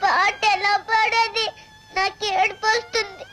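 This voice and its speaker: A man's voice: extremely high pitch, flat delivery, measured pace, low-quality recording. An actor playing a grieving orphan boy, pleading and crying through his words. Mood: tearful. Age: child. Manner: sobbing, pleading.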